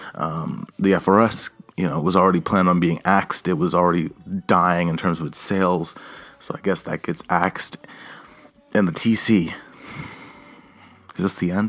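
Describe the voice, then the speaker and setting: A man with a very deep, low voice speaks at a moderate pace in a flat monotone. He leaves long, frequent pauses. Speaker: car enthusiast YouTuber. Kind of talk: casual vlog commentary. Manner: halting, many fillers and restarts.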